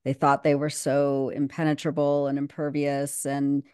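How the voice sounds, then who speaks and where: A woman in her thirties with a low, mellow voice speaks as a guest on a video call. She talks fluently and with emphasis, full of "um" and "you know", and the sound from her home webcam is dry and close. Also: monotone, moderate pace, clear, resonant tone, no room sound. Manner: fluent and emphatic, with many fillers. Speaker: guest commentator. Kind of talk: casual video-call discussion.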